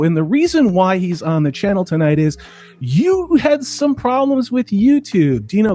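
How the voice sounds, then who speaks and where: A man's voice: high-pitched, warm tone. A man hosting a casual livestream chat, introducing and questioning his guests. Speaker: livestream host. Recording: music playing behind the voice. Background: music.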